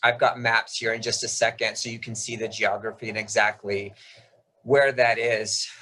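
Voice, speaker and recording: A man's voice: fairly low pitch, level tone, normal speed, bright, forceful tone. A man in his fifties from South Texas, a native Spanish speaker, giving an informal, explanatory presentation in a conversational, slightly hesitant manner. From South Texas, United States. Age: 50s. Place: video call while screen sharing.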